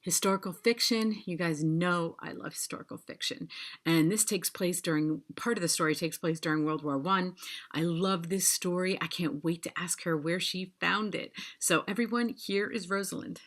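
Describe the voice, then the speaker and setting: Middle-aged woman, Pennsylvania Dutch accent, enthusiastic intro, lower voice. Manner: enthusiastic, quick. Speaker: podcast host. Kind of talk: video introduction to camera. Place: indoor studio, red backdrop.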